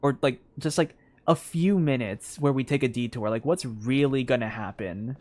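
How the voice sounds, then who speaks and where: A man's voice: medium pitch, normal speed, darkish tone. A man streaming a game with casual, rambling commentary, thinking aloud as he goes. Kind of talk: casual live gameplay commentary.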